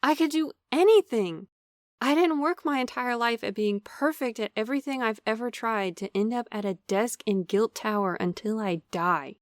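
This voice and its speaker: An actress playing a guarded perfectionist young office worker in an audio drama, measured, articulate and earnest. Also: female voice, fairly high pitch, no echo, clean studio sound, lightly acted. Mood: pleading, confessional.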